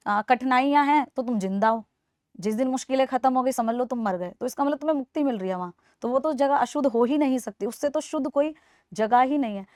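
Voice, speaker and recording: Earnest young woman with a high voice. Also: a little mellow, dry recording, studio quality. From Delhi, India. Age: 20s. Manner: earnest, persuasive, repeats points for emphasis. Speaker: interview guest. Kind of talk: earnest podcast interview answers.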